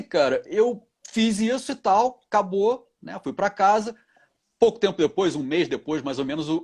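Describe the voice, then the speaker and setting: High husky man telling a lively story. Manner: animated, acts out quoted lines in different voices; laughs often while telling stories. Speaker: voice actor and dubbing director. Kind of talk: storytelling interview answers.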